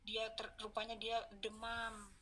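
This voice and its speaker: A woman with a bright, fairly high voice chats casually late at night. She tells her stories in an animated way, often sighing in dismay. She talks like a fitness instructor unwinding with a friend. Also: unhurried, slight background noise. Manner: animated storyteller, sighs of dismay.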